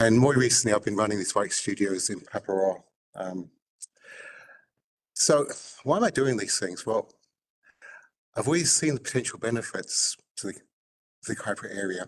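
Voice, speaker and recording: A soft-spoken man talks at a moderate pace and medium pitch, with ordinary pitch variation. Long pauses come often. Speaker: submitter at council hearing, cycling enterprise owner. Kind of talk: public submission presentation. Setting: council chamber hearing. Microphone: too quiet at times.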